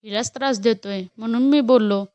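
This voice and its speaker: A woman putting on a stern young man in a storybook, curt and irritated, snapping short questions. The voice stays clear and smooth, recorded close and dry. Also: on the high side, brisk, dark tone, dry recording, natural voice.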